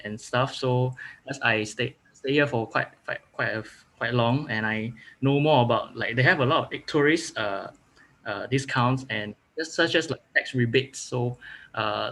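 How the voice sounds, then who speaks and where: A young man from Vietnam with a Vietnamese accent, pitching a student project over a video call and often searching for words. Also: bright, forceful tone, poor audio. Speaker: student contestant.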